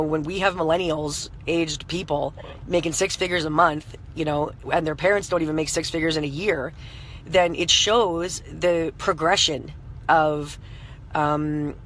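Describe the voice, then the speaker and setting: A woman in her late thirties talks through a live stream with a hoarse, scratchy voice. She is loose and conversational, filling her speech with "you know" and breaking off to greet viewers. A faint hum of noise sits behind her. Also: low voice, fairly bright tone. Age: 30s. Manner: chatty, full of "you know" fillers, greets viewers by name. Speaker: entrepreneur hosting a live stream. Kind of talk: motivational live-stream talk.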